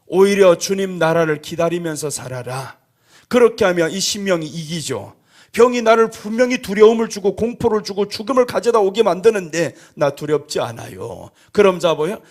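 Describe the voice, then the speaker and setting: A man's voice: high voice, lively intonation, moderate pace, a little mellow. A man preaching a sermon as pastor, acting out prayers and asking the congregation rhetorical questions. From South Korea.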